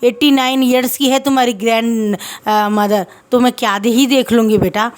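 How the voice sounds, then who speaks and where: A woman's voice: a little high, fairly even intonation, normal speed, lightly acted. A fussy, half-blind old grandmother in her late eighties, scolding in a doting way, as a woman storyteller puts her on. She is voiced close to the narrator's own everyday tone. It suits a simple storybook retelling. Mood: fussing. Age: over 80.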